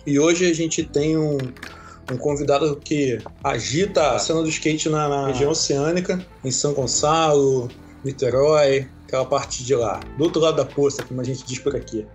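A man hosts a casual podcast, his voice sitting a little high for a man. He talks informally and keeps his questions short and friendly. Faint music runs underneath. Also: normal speed. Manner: friendly, informal, brief prompts. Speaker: podcast host.

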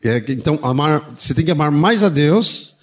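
A man's voice: a little high, lively intonation, a little fast, breathy edge. A man, preaching an informal sermon in a conversational way, full of tag questions and humorous asides.

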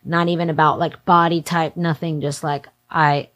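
Low-pitched woman chatting informally, late twenties. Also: level tone, normal speed, a bit bright. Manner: informal slang-filled talk, heavy use of "like". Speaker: interview guest working in music industry event production. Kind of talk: casual candid conversation.

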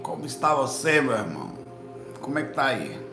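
A man with a Pernambuco accent from northeast Brazil, telling stories to camera in animated, slangy bursts. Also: mid-range voice, a little fast, roomy sound, music in the background. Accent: Pernambuco Portuguese. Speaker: spiritual vlogger answering viewers. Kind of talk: casual talk to camera. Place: indoor room with a light behind him.

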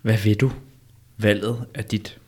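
A man reading the part of the old prophet Elijah in a measured, insistent way, during an amateur read-through. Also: lowish voice, flat delivery, slightly rough. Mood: solemn. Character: old male prophet Elijah, calm and solemn.

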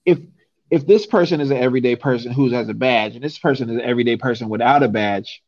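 A man's voice: medium pitch, fast talker, a little mellow, dry recording. Emphatic man, muffled dry sound. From San Francisco. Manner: emphatic, rhetorical, repeats "right?". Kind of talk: casual conversation.

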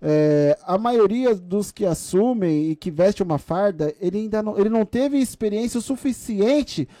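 A man's voice: sits high, animated, normal speed, dark tone, dry recording. A man with a São Paulo Brazilian accent co-hosting a podcast in casual, slangy talk, repeating phrases for emphasis. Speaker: podcast co-host.

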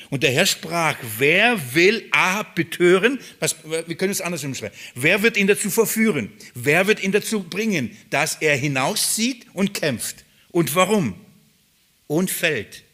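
A man preaching an expository sermon, leaning hard on rhetorical questions. His voice sits a little high and rings bright and forceful. His pulpit delivery is emphatic and searching.

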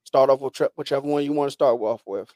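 A man's voice: mid-range voice, fast, mellow, no echo, studio quality. A man hosting a podcast with casual, informal sports talk, often repeating phrases as he goes. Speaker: podcast host.

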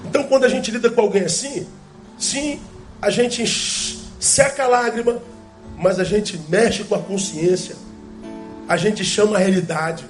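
A male pastor, preaching a sermon emphatically with rhetorical questions and slowly repeated key phrases. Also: high-pitched, faint music behind.

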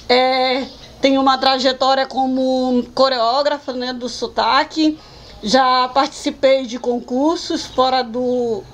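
A woman, a cultural agent speaking earnestly in an interview. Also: sits high. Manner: earnest, with frequent "né". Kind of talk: interview testimony.

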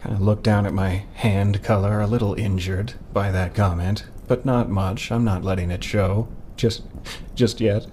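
A man's voice: lowish voice, steady tone, normal speed, a little mellow, a little hiss or hum. A man playing a tabletop roleplaying game, casually speaking as his character and describing what he does. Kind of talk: casual roleplay and first-person narration.

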